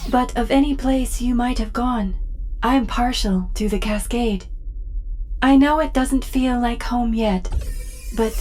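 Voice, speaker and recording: Woman voicing a caring starship medic, higher-pitched, measured delivery, reassuring, audio roleplay, faint music behind. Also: a little mellow, low-quality recording. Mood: gentle, attentive. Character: caring, courteous female medical aide aboard a starship.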